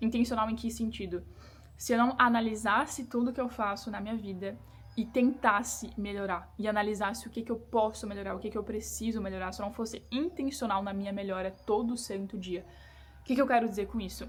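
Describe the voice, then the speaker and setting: Music plays in the background as a woman speaks at a fairly quick pace. Her pitch is fairly high, her intonation fairly even. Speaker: online entrepreneur and YouTuber. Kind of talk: motivational talk to camera.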